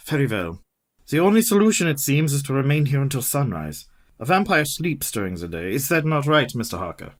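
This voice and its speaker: An actor playing a methodical older professor hunting a vampire, speaking in a formal, measured way. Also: male voice, medium pitch, big pitch swings, lightly acted. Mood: grave. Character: Professor Van Helsing, methodical older male vampire hunter. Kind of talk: community radio play acting.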